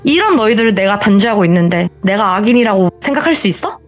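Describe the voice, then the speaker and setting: A woman's voice: medium pitch, expressive, quick pace, faint music behind, close to an everyday voice. A woman voicing a fanatical, self-righteous young woman who mocks and preaches in a told horror story. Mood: preachy. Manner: mocking, preachy.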